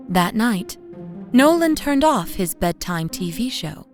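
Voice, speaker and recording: A devoted, worn-out young mother narrates a scripted horror audio drama. Her storytelling is intimate and expressive, at an ordinary female pitch. Music plays underneath her voice. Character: weary, devoted young mother recounting an unsettling night. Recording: voice over music bed.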